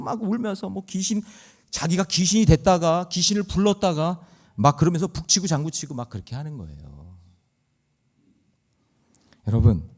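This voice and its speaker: A man's voice: a little high, a little mellow. A man preaching a sermon in church, acting out scenes and exhorting the congregation. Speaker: pastor. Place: church sanctuary.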